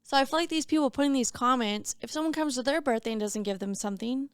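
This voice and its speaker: A woman in her late twenties, a guest on a podcast, with a clear, smooth voice pitched a little high. She chats quickly and casually. The recording is dry and close. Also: no room sound. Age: 20s. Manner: chatty, quick, uses "like" often. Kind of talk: casual chat.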